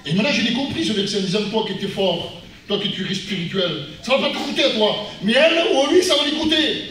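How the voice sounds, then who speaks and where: A man preaching a sermon as a guest pastor, telling a personal testimony in an animated way, climbing loud and high as he retells events. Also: fast talker, slight background noise. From France. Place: church hall. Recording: echoey church from far off.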